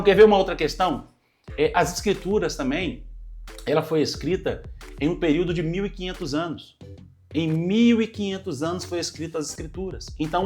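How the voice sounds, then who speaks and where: A man, a pastor teaching a Bible study in an earnest, explanatory way and addressing his listeners as brothers. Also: fairly high pitch. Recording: light music underneath.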